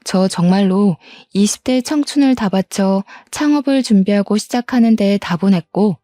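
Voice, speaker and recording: A woman's voice: mid-range voice, normal speed, warm tone, no room sound, studio quality. A woman in her thirties reading a first-person story aloud in an aggrieved, complaining tone. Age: 30s.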